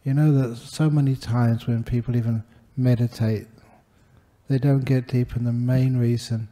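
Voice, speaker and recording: Gentle older monk with a very dark voice. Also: male voice, medium pitch, fairly even intonation. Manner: gentle, humorous, unhurried. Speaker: Buddhist monk giving a dharma talk. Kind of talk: relaxed dharma talk with anecdotes.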